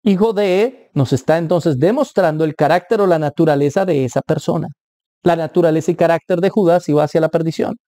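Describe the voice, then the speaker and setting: Man, preacher-teacher, warm and mellow tone, emphatic with repetition, dry close sound. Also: a little high, fairly quick, no echo. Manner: emphatic, stresses points by repeating words; checks in with listeners with a questioning aside. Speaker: preacher teaching Bible interpretation. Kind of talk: Bible teaching talk.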